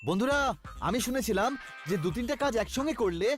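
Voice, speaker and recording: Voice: mid-range voice, expressive, fast, music in the background, close to an everyday voice. A performer voicing a helpful animal friend in a dubbed children's cartoon, explaining plans encouragingly. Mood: suggesting.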